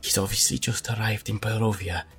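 Man as a calm village woman, placating, husky tone, fantasy game, faint music. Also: lowish voice, a little fast, exaggerated voice.

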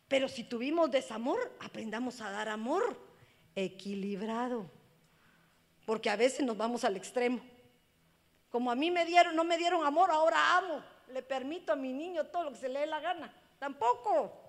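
A woman pastor, preaching a sermon with impassioned swings between loud cries and hushed speech. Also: on the high side. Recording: long hall reverb.

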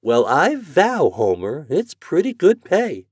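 A man's voice: fairly high pitch, wildly swooping pitch, takes it slowly, a little mellow, husky, no room sound, clean studio sound, pitched above the performer's own voice, full character voice. A man voicing an old-fashioned, thrifty farm mother in a storybook, speaking in rustic country dialect. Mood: wondering. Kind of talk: storybook character voice.

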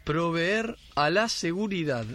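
A cheeky, lovestruck Argentine copyist of the 1800s, played by a man in a radio drama. He speaks slowly and theatrically in a fairly high voice. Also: expressive, a bit bright. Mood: resigned dictating. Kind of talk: radio play acting.

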